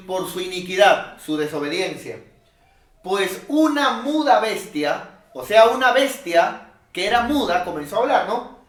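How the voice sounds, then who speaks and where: High-voiced preacher in an echoey room. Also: male voice. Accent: Peruvian Spanish. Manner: emphatic preaching, swings from loud calls to low asides. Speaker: pastor. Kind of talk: sermon.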